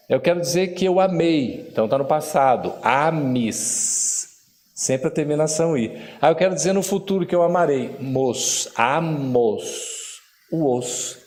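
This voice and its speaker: A middle-aged Brazilian man lectures in a big echoing hall, his pitch bouncing up and down as he teases and quizzes his listeners. He drills words slowly and clearly, in a warm, playful teaching manner. The long reverb of the room trails each phrase. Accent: Brazilian Portuguese. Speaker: spiritist lecturer teaching Esperanto. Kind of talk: lively lecture to a live audience.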